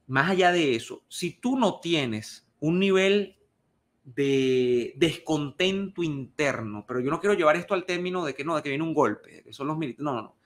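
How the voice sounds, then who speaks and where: Man, Venezuelan Spanish accent, middle-aged, slightly high voice, careful commentary, restarts words. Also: fairly bright tone. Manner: thoughtful, cautious, repeats and restarts words. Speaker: political commentator answering a viewer question. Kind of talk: casual spoken commentary.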